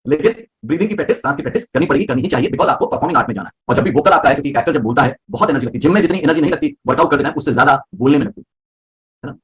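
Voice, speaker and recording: A man teaching a live voice class, explaining breathing, volume and pitch with everyday examples and often checking whether students follow. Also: expressive, rapid-fire. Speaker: voice coach.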